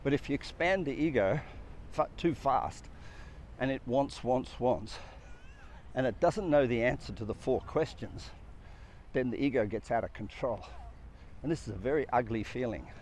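A man's voice: medium pitch, normal speed, darkish tone. A man speaks in a mid-range voice, earnest and reflective as he talks about purpose and the soul. He piles up phrases and questions one after another. Faint traffic hums behind him. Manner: earnest, repetitive, builds lists of questions. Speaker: speaker on personal growth. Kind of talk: reflective spiritual talk.

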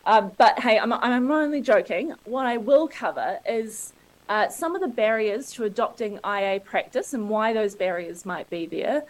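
Higher-pitched New Zealand woman giving a talk. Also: rough recording. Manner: self-deprecating, joking. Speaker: conference speaker. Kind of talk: conference talk.

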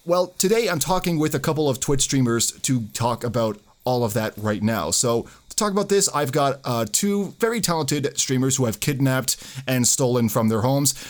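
A man's voice: medium pitch, animated, normal speed, few pauses. A man hosting a casual podcast, chatty and talkative, with filler words and restarts. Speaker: podcast host.

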